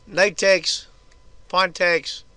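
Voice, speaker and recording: A hoarse man giving casual, chatty move-by-move commentary on a chess game for his video channel. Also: high voice, steady tone, very slow, sharp tone, no echo.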